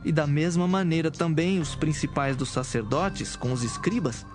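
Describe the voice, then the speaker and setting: A man's voice: on the high side, normal speed. A man giving a scripted narration of an audio Bible. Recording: music behind the voice.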